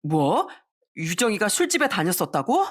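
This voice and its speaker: A woman's voice: mid-range voice, sing-song, normal speed, husky. A smug, shallow young man, as a woman narrator reads him. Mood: shocked. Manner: smug, dismissive.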